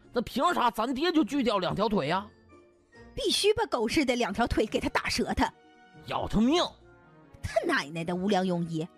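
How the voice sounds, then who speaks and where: A man's voice: high voice, a bit bright, voice pushed up, full character voice. A man voicing angry rustic relatives out for revenge, coarse and belligerent, in an audiobook.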